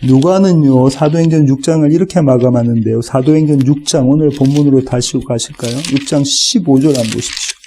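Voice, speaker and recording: Impassioned Korean pastor, mellow voice. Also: male voice, medium pitch, fairly quick, hardly any pauses, a little hiss or hum. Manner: preaching, acts out voices of biblical figures with rising intensity. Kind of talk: expository sermon. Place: church.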